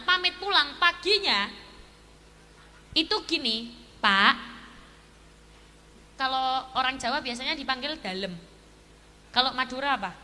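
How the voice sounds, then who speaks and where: A woman preacher with a very high, bright, sharp voice tells a story in her sermon. She acts out its dialogue in animated voices. Her words ring through a large echoing hall. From Indonesia. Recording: echoey hall with faint noise.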